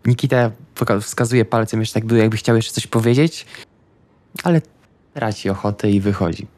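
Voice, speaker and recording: A man's voice: fairly low pitch, moderate pace, a little mellow, no room sound. A man playing a tabletop roleplaying game, speaking for his character and describing its actions. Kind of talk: casual in-character game play.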